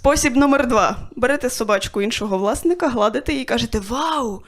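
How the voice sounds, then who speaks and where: A young woman performing a stand-up set, telling stories in a dry way with quick voiced asides. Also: a little high, background noise. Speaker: stand-up comedian. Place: stage of a small comedy club.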